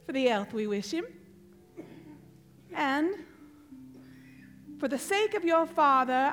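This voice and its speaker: A woman playing an indignant, loyal wife and mother with an emphatic, scolding delivery in a stage radio play. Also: high-pitched. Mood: reluctant toast.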